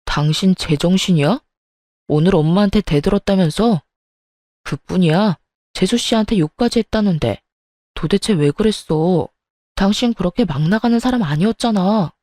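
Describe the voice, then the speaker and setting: A woman's voice: medium pitch, moderate pace, mellow, no room sound, studio quality, natural voice. A woman voicing a blunt, middle-aged husband who demands answers in a reproachful way. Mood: angry.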